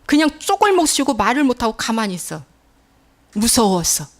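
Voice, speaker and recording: Casting: middle-aged woman pastor, fairly high voice, animated storytelling sermon in a church. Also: moderate pace. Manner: emphatic storytelling preacher, acting out quoted scolding.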